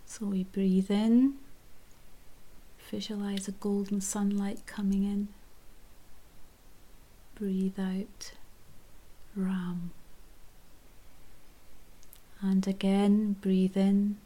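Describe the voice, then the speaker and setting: A woman guiding a chakra meditation in a soft, gentle whisper. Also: medium pitch, little pitch movement, slow, long pauses, rough recording. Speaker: meditation guide.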